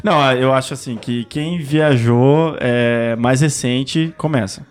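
A man's voice: medium pitch, slow pace, smooth, soft background music. A man with a Brazilian accent, a regular podcast co-host, chatting in a laid-back, self-mocking way. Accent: Brazilian Portuguese. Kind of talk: casual podcast chat.

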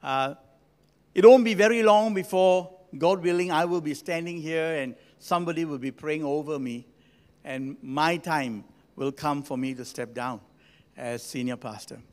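Guy around 60, pastor giving a sermon, kinda high voice, chatty w/ big pauses, lots of hall echo. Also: a little mellow. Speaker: senior pastor. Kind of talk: sermon to a congregation. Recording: long hall reverb.

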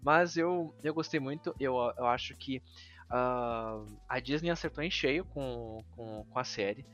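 A man's voice: mid-range voice, unhurried, fairly bright tone. A Brazilian man chatting casually on a podcast, often repeating words as he searches for his phrasing. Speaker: podcast co-host. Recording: dull lo-fi audio, music behind. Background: background music.

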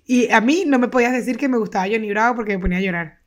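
A young woman with a Venezuelan accent, co-hosting a podcast in a casual, animated, slang-heavy chat full of stories and laughs. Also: fairly high pitch, rapid-fire. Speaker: podcast co-host.

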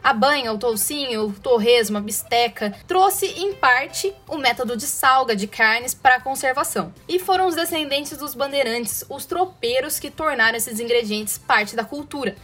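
A woman with a strong caipira accent talks through her podcast in a high, bright-pitched voice. She teases her listeners with rhetorical questions and dry, sarcastic asides. Faint music plays quietly underneath. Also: animated, normal speed, hardly any pauses. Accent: Brazilian caipira, rolled-back R. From interior of São Paulo state, Brazil. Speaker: podcast host. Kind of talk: casual educational podcast monologue.

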